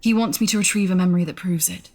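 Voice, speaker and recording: Guarded, husky-voiced female scientist. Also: on the low side, rapid-fire, darkish tone. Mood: subdued, confiding. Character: guarded, serious female scientist aboard a starship. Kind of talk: audio drama acting. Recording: faint music behind the voice.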